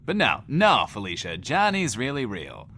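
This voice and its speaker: Cheeky post-apocalyptic radio dj, super animated and theatrical, bit of noise behind him. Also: male voice, medium pitch, normal speed, exaggerated voice. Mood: mock indignation, teasing. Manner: playful, mock-indignant, teasing, theatrical. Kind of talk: radio DJ patter in audio drama.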